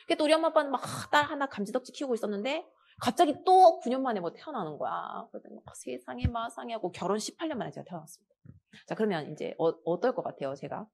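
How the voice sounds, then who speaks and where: Lively woman lecturer with a Busan accent. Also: on the high side, fast talker, creaky. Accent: Busan Gyeongsang. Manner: lively storytelling, acts out quoted lines. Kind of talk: casual lecture with personal stories.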